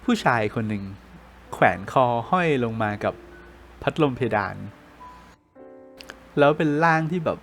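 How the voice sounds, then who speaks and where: A man's voice: medium pitch, a little slow, long pauses, faint music behind. Man telling ghost stories casually. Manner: relaxed friend-to-friend slang. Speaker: podcast storyteller.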